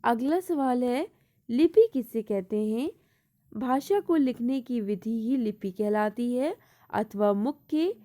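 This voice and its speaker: A woman's voice: a little high, dark tone. A woman teaching an exam-prep lesson, reading out each question and then explaining the answer, mixing English words into her Hindi.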